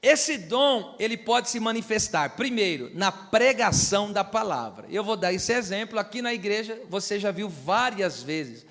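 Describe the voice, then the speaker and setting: A man's voice: high voice, very animated, moderate pace, hardly any pauses, fairly bright tone, long reverb tail. A man preaching a sermon as pastor, teaching and asking the congregation to repeat after him. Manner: teaching, asks the church to repeat phrases and check understanding. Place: church hall.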